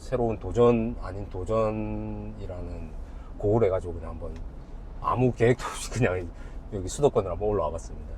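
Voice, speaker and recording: A man talks at a fairly quick pace with big swings in loudness and audible room echo. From South Gyeongsang, South Korea (Geoje). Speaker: delivery driver. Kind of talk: interview. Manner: casual, with many fillers.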